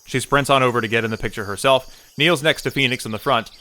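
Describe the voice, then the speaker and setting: A man's voice: medium pitch, fast, bright, forceful tone, close to an everyday voice. A man playing a wry narrator of an audio drama, reading scripted scene descriptions. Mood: wry, descriptive.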